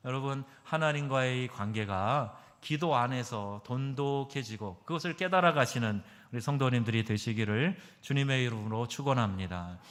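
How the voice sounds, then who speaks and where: A man, a pastor, preaching a sermon emphatically, asking his congregation questions and moving between loud stresses and soft asides. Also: a little high. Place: church sanctuary. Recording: long hall reverb.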